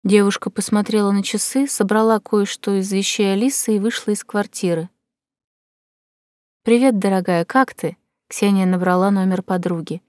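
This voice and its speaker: A woman narrating an audiobook in a measured, expressive reading. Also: medium pitch, no room sound. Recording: dry close recording.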